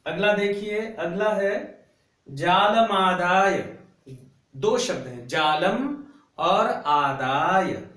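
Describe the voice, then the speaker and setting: A man's voice: high-pitched, lively intonation, very slow, a bit bright. A man teaching a class, patiently explaining grammar at a board and drawing out syllables so students can copy them. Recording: roomy echo, voice a bit far from the mic.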